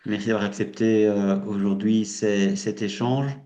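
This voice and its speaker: A man interviewing a guest, asking questions in slow, searching phrasing. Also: on the low side, steady tone, mellow, dull audio. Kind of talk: conversational interview.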